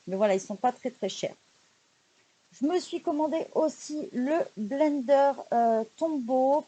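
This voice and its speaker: A woman with a fairly high but mellow, slightly husky voice, talking through her latest purchases. She chats casually and keeps pausing on small fillers as she goes. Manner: chatty, many hesitation fillers and "donc voilà". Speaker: craft YouTuber showing purchases. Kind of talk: casual haul video chat.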